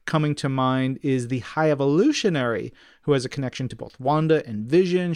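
A man's voice: medium pitch, dry recording, studio quality. A man co-hosting a podcast, chatting informally and enthusiastically and reading out listener mail. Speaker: podcast co-host.

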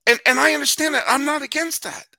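A man hosting a baseball podcast in casual chat, animated and repeating himself as he thinks. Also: extremely high pitch, fast, vocal fry, dry recording, clean studio sound. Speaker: podcast host.

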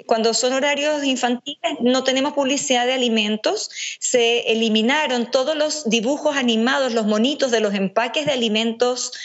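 A woman from Venezuela with an accent blended by years in Chile, explaining family nutrition in a measured, structured way as an interview guest. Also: a little high, fairly even intonation, lo-fi sound. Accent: Venezuelan mixed with Chilean. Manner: measured, structured, lists points. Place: speaking remotely from home.

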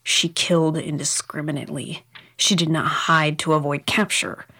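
An actor playing a calm, literal analyst in a fantasy audio drama, precise and matter-of-fact. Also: medium pitch, moderate pace, husky. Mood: clinical.

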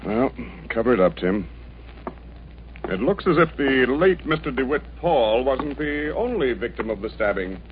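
A clipped American police inspector, muffled radio. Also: male voice, medium pitch, very animated, a little slow, noisy background. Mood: calm, dry. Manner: clipped, authoritative, dry. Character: calm, businesslike male homicide police inspector. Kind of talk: 1950s radio drama acting. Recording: muffled old radio, faint music.

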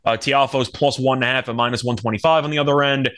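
A man's voice: medium pitch, steady tone, fast talker, a bit bright. A man speaking as a podcast host, giving conversational, analytical sports betting commentary.

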